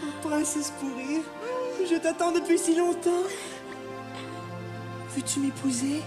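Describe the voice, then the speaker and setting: A man playing a romantic, solemn young prince in a children's fairy tale, with courtly, drawn-out delivery. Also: very high-pitched, fairly even intonation. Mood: lovestruck. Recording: loud music behind the voice.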